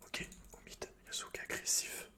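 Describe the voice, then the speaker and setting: A video game streamer who also does ASMR whispers casual gaming chat close to the microphone. He swears freely and keeps repeating short slangy phrases. His delivery is at normal speed with a sharp tone.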